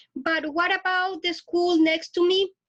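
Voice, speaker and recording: A woman speaks with a Spanish accent. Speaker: language teacher trainer. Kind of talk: webinar presentation. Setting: online webinar.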